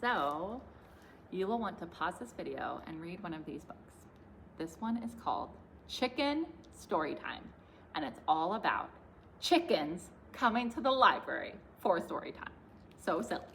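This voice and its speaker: A woman's voice: on the low side, very animated, moderate pace, vocal fry, a bit bright, slight background noise. A young woman, a children's librarian, leading a class video with book picks, clapping games and finger-play songs in a cheerful sing-song way.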